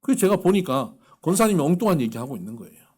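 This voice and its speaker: A male pastor delivers a sermon in a fairly high, racing voice with a breathy edge. He tells stories with animation, acting out the voices of the people in them.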